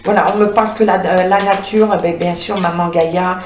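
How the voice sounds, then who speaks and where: A woman's voice: on the low side, steady tone, slight background noise. Woman medium reading cards in an echoey room. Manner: halting, many filler sounds, talks to the cards. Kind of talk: spoken card reading with visions.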